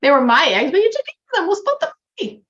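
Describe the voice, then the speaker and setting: A woman's voice: extremely high pitch, huge pitch swings, rapid-fire, a bit bright, voice pushed up, exaggerated voice. A woman voicing a generous egg owner who offers a partnership, speaking in a reassuring, businesslike way. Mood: persuasive. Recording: dull lo-fi recording.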